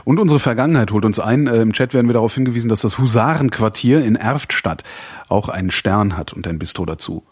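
A man's voice: mid-range voice, lively intonation, fast, husky, dry recording, clean studio sound. A man in his forties co-hosting a podcast, chatting casually, rambling and laughing often. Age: 40s. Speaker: podcast co-host. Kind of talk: casual chat.

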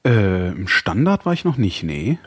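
A man's voice: fairly low pitch, sing-song, measured pace, slightly rough, no echo, clean studio sound. A man in his forties co-hosting a podcast, chatting casually, rambling and laughing often. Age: 40s. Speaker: podcast co-host. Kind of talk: casual chat.

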